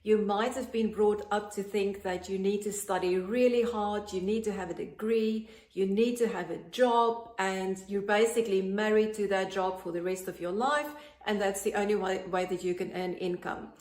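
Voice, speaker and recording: A woman's voice: mid-range voice, fairly even intonation, moderate pace, few pauses, a little mellow, reverberant. South African woman in her late forties. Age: 40s. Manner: chatty and earnest, with frequent ums. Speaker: online business promoter. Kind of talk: direct-to-camera pitch.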